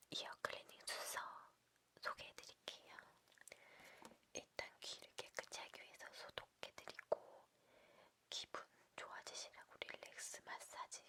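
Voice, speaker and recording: Female, whispered role-play as a polite spa-style ear cleaning attendant; fully breathy whisper, reassuring, step-by-step. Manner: polite, reassuring service talk, explaining each step.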